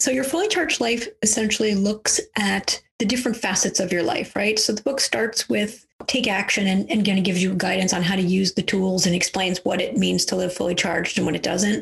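In an ordinary speaking voice, a woman of medium pitch talks at a fairly quick pace with ordinary pitch variation, very even loudness and hardly any pauses. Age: 40s. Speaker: magazine editor and author. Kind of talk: interview.

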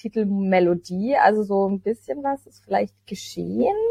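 A woman with a fairly high pitch and lively intonation. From Franconia, Germany (near Nuremberg). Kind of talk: casual chat.

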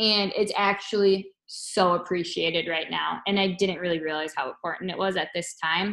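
In an unremarkable speaking voice, a woman with an American accent talks at a moderate pace, her medium pitch held in fairly even intonation. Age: 20s. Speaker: podcast co-host. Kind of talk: casual chat.

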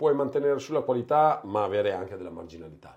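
A man's voice at a fairly quick pace. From Veneto, Italy. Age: 40s. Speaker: bartender and restaurateur. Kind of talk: casual interview chat.

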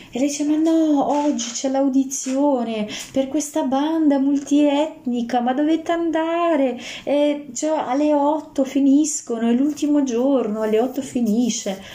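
A woman with a high pitch speaks at a fairly slow pace with fairly even intonation. Audible room echo and noticeable background noise fill the recording. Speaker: podcast guest sharing her immigration story. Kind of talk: casual chat.

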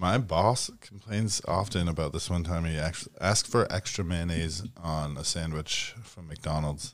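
A very deep, low male voice with an American accent, fairly slow pace and ordinary pitch variation, on a very clean recording with a silent background. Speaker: podcast guest. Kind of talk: casual chat.

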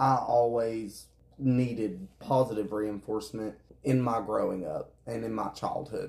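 Somewhat breathy, a man speaks at a medium pitch with monotone, flat intonation. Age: 20s. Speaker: podcast co-host. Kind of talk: casual chat.

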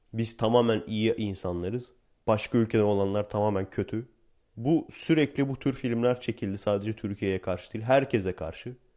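On a very clean recording with a silent background, a man speaks at a moderate pace in a dark, mellow tone, with medium pitch and ordinary pitch variation. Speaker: podcast host, video editor. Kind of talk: casual monologue. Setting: home balcony at night. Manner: subdued, not loud at night.

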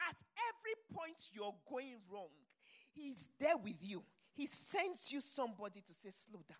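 With a Nigerian accent, a woman speaks at a fairly slow pace and a fairly high pitch in an animated tone, with very wide pitch swings and big swings in loudness. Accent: Nigerian (Yoruba) English. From Nigeria, Lagos. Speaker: pastor. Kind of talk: sermon.

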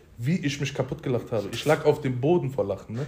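A somewhat breathy man with a fairly high pitch. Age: 30s. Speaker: podcast co-host, pharma wholesale worker. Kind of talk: casual chat.

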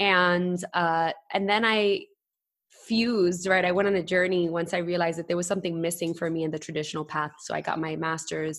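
A woman with a normal speaking voice talks at a fairly quick pace in an American accent, her pitch fairly low and her intonation fairly even. The recording is very clean, with a silent background. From New York, Brooklyn. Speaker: author and wellness coach. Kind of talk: interview.

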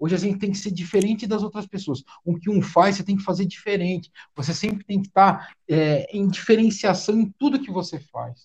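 Pitched high, a man speaks at a fairly quick pace. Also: ordinary pitch variation. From São Paulo, Brazil. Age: 40s. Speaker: podcast host. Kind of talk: casual chat. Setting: video call. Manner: animated, excitable.

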